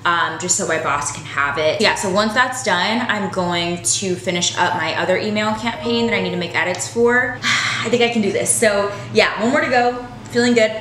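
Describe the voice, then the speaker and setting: A woman's voice: mid-range voice, normal speed, few pauses, fairly bright tone, slight background noise. A woman in her twenties vlogging at home, talking casually with lots of "like" fillers. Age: 20s. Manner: chatty, filler-heavy, upbeat. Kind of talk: casual vlog chat. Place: apartment room at home. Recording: echoey room.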